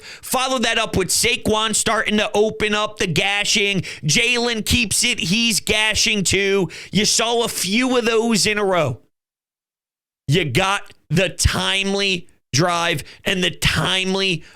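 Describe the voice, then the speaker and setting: A man's voice: high-pitched, sharp tone, clear, resonant tone. A man hosting his own fan channel, talking football in an emphatic, fired-up way and swearing now and then. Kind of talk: fan commentary vlog.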